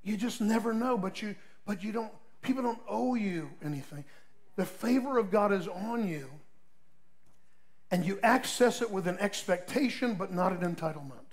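High-voiced man preaching a folksy sermon. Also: normal speed. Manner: folksy, storytelling, emphatic with sudden loud peaks and soft drops. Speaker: pastor.

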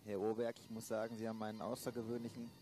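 A man acting an unhurried, wry older police inspector in an amateur radio play, formally polite. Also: on the low side, monotone, natural voice. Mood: measured, wry.

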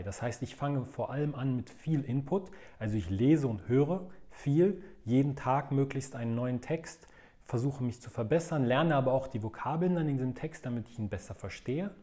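Mellow-voiced man explaining methodically. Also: medium pitch. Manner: methodical, step-by-step explaining with small restarts. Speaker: language learning coach. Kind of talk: explanatory video lesson.

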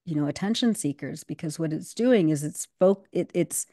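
A woman's voice: low-pitched, animated, normal speed, warm tone, no room sound, clean studio sound. A woman in her thirties, a guest commentator, speaking emphatically over a video call and using plenty of fillers. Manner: fluent and emphatic, with many fillers. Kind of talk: casual video-call discussion. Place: home room on a video call.

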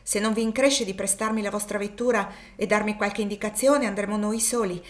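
A woman's voice: medium pitch, steady tone, brisk, close to an everyday voice. Woman reading as a fierce, grave young husband. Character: fierce young man defending his family.

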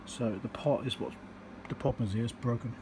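A man's voice: mid-range voice, steady tone, fairly quick. A man talking casually and matter-of-factly through electronics repair, thinking aloud in short fragments at a workbench. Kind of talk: casual unscripted workbench commentary. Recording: noisy hand-held workshop recording.

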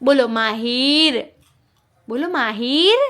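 In a casual family chat, a young mom who vlogs speaks slowly in a high-pitched, somewhat bright voice with lively intonation. She plays with her toddler at home, coaxing the child in a sing-song, baby-talk way.

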